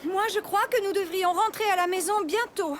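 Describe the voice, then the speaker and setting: A woman voicing a kind, easygoing young mother in a children's cartoon, gentle and expressive. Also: extremely high pitch, normal speed. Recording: music behind the voice.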